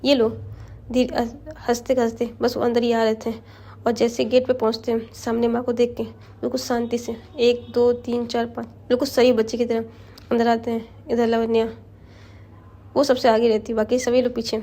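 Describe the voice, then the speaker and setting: A woman storyteller narrating in a relaxed, chatty manner and turning to the listener with asides. Her voice is high and soft, with a mellow warmth. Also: moderate pace.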